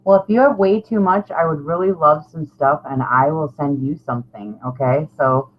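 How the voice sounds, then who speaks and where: A middle-aged woman with a deep voice talks to her viewers at a moderate pace, rambling casually as a craft vlogger. She's informal, pokes fun at herself and gets a bit salty. The recording sounds dull and lo-fi, with obvious background noise.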